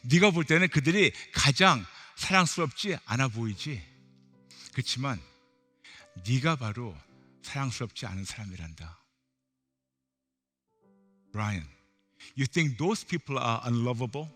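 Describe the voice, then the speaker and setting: A man voicing God as a gentle, fatherly figure, speaking slowly and softly. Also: a little high, sing-song, heavily acted. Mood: tender. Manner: slow, soft, hushed. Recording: long hall reverb, faint music.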